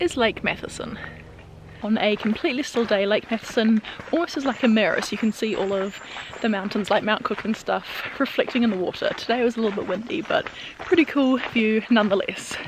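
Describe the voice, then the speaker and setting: Noticeable background noise sits behind a woman talking at a fairly quick pace. The sound is dry, with no echo. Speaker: travel vlogger. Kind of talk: casual vlog chat. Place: forest. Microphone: phone near.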